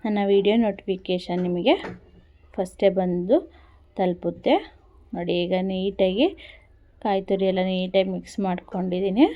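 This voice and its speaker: A woman's voice: medium pitch, flat delivery, moderate pace, pauses often, muffled recording. A woman with a Kannada accent, talking viewers through a recipe at an easy pace in a casual cooking vlog, repeating simple instructions. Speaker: cooking vlogger.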